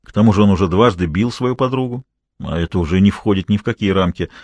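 A man voicing a composed, principled detective speaking in measured tones. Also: deep voice, a little mellow, no echo. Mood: calm, wary. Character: calm, principled male detective.

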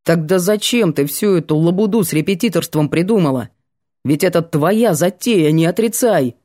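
A curt, irritable young male student with a low, mellow voice, read by a woman narrator. Dry, close sound with no room around it. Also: animated, normal speed, no room sound. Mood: scolding. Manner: curt and growling.

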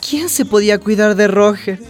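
An actress narrates and leads a radio drama, playing a young trans woman hairdresser recounting her life with tenderness and hurt. Her medium-pitched voice moves at a moderate pace over soft background music, lightly acted, with a wistful, confiding mood.

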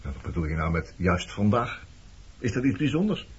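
Muffled old radio recording, aloof ex-lover, very husky low male voice, dry, evasive, mocking. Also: big pitch swings, brisk, exaggerated voice. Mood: offhand, evasive. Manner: dry, offhand, probing. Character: evasive, detached, mocking former lover of a woman. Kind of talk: Dutch radio play acting.

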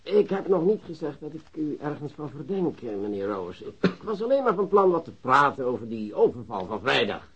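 Sly commissioner: mock-polite, hesitant, very varied intonation, slightly muffled radio-play sound. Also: male voice, on the high side, big pitch swings, breathy edge, exaggerated voice. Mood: insinuating. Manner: unhurried, hesitant, falsely polite. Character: sly, mock-courteous police commissioner interrogating a suspect. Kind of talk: Dutch radio play acting. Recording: dull lo-fi radio drama recording.

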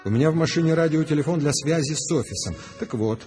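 A man's voice: fairly high pitch, fast talker, over music, natural voice. An actor playing a gleefully rebellious, eccentric arrested man in a radio drama, telling his tales in a wry, theatrical manner. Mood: gleeful, animated.

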